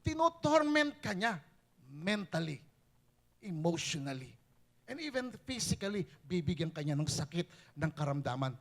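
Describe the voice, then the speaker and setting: A male pastor with a high-pitched voice preaches a sermon, moving between Tagalog and English and building his points with animated, rising emphasis.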